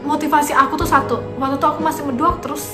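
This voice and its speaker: Javanese-accented woman, high voice, easygoing and chatty, loud music under an echoey room. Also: racing. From Yogyakarta, Indonesia. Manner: relaxed, laughs easily, chatty. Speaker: guest. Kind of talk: casual chat.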